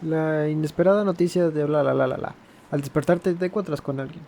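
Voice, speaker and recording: A man's voice: on the high side, fairly even intonation, quick pace, dark tone, a little hiss or hum. A man hosting a gaming video, reading out dialogue choices in an informal, offhand way.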